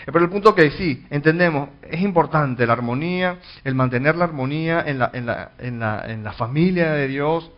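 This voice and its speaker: A pastor teaching a Bible study, reading verses aloud and explaining them with frequent restarts. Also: male voice, on the high side. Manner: reads scripture then explains, many restarts and fillers. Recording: dull lo-fi recording.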